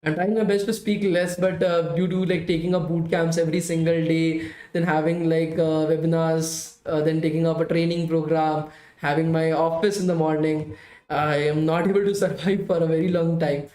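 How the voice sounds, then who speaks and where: A tired man runs a live bootcamp class, his voice strained after hours of talking. He speaks in a high register, chatty and repetitive, always calling his students "guys". The room around him has a noticeable echo. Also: level tone, normal speed, mellow. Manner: chatty, repeats "guys" often, pleads for likes. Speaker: bootcamp instructor. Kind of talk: live-streamed coding class wrap-up.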